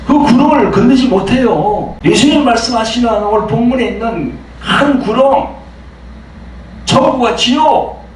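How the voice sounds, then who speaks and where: A man preaching a sermon as a pastor, emphatic and full of rhetorical questions, swinging between loud and soft. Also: high-pitched, very echoey, far from the mic, slight background noise, rough recording.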